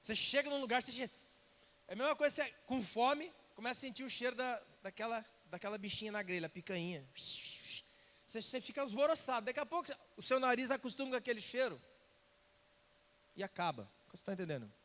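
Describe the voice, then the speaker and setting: A man preaching a sermon, lively and conversational, acting out little dialogues and asking the congregation questions. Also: very high-pitched, fast talker, big-room sound. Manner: animated, acts out quoted dialogue, asks congregation questions. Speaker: pastor. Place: church sanctuary.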